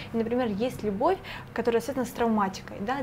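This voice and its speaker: Very fast speech with ordinary pitch variation over light background noise. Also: woman. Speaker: interviewer. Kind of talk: interview. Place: home room.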